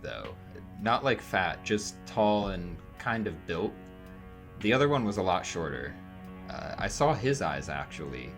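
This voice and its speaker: A young man playing a shaken, earnest young witness in an audio drama, hesitant, halting and casual. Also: deep voice, a bit bright, heavily acted. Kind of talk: naturalistic audio drama acting.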